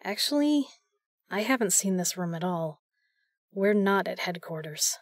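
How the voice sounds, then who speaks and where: A tough female secret agent played by a woman in an audio drama, protective and grim. Her voice is on the low side and very dry in sound, and she talks bluntly. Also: animated, measured pace, no room sound. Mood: grim, wary. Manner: blunt, matter-of-fact.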